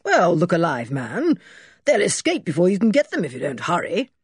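A woman's voice: on the low side, huge pitch swings, breathy edge, no room sound, clean studio sound, full character voice. A woman voicing a brusque, impatient middle-aged uncle who gives orders. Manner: brisk, commanding, impatient.

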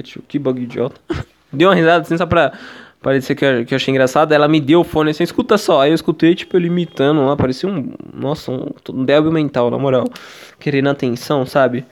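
Young brazilian guy on his podcast, kinda high voice, rambling slangy story, does the voices. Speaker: podcast host. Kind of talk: casual storytelling monologue.

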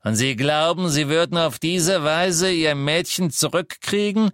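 A man voicing a brutal dark wizard with a rough voice, sneering and bellowing threats. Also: fairly high pitch, a little slow, no room sound, studio quality, voice pushed up. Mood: menacing.

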